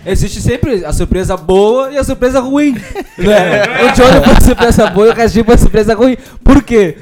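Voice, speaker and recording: A high-voiced man tells stories in loud, animated bursts on a comedy podcast. His group laughs around him all the time. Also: moderate pace, a loud crowd. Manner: animated storyteller, loud exclamations. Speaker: podcast co-host. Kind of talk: casual comedic chat.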